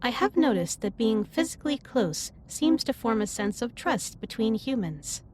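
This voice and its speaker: A woman playing a caring alien starship captain in a sci-fi audio drama, speaking formally and in measured phrases with gentle reassurance. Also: a little high, sing-song, slight background noise. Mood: gentle, reassuring. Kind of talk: scripted roleplay audio drama, intimate comforting monologue. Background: ambient music.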